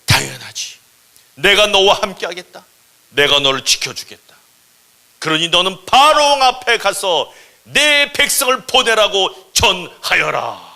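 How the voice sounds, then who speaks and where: Brief: man playing a calm, commanding God, low and solemn. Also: brisk, husky, heavily acted.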